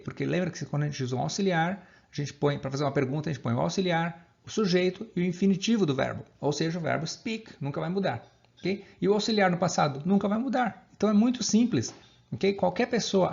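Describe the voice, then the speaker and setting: Brazilian guy teaching english grammar, super gravelly voice, keeps saying ok?, kinda muffled lo-fi audio. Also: fairly high pitch, a little mellow. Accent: Brazilian Portuguese. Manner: explains patiently, checks in with "ok?" after nearly every point. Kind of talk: online grammar lesson.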